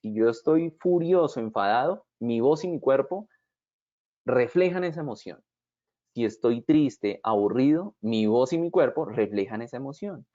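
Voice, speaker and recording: Here a communication trainer lectures didactically, his medium-pitched voice dark in tone, expressive, and moderately paced. His explanations are punctuated by frequent rhetorical "¿sí?" and "¿cierto?" checks with the audience. The sound is dull, dry, and lo-fi.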